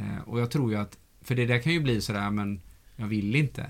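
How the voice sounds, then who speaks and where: The man's fairly low pitch moves with ordinary variation. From western Sweden, Gothenburg area. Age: 40s. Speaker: pastor. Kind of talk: podcast interview. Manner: halting.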